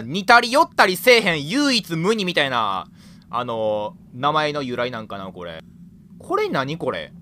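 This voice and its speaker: A young man with a Kansai accent gives casual game commentary. His voice sits high and bright, and it swoops up and down as he exclaims over each new find and laughs easily. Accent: Kansai Japanese. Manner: chatty, laughing, exclaiming at discoveries. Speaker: game streamer.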